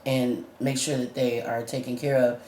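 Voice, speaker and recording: A man's voice: medium pitch, flat delivery, normal speed, darkish tone, roomy sound, a little hiss or hum, poor audio. Chatty trans man with a cracking voice. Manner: chatty, laughs often, many fillers. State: voice cracking, going up and down. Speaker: vlogger. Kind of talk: casual chat.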